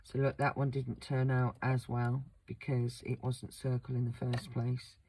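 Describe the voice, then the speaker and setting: Croaky woman doing a wax seal craft video, flat and chatty, lots of ums. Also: rumbling low, measured pace, slight background noise, rough recording. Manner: relaxed, chatty, many ums. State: croaky, sore throat. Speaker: craft channel host. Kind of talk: casual craft demonstration.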